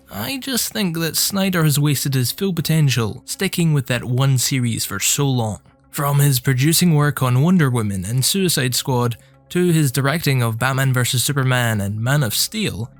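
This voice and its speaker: A man delivering scripted commentary as the narrator of a video essay. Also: medium pitch.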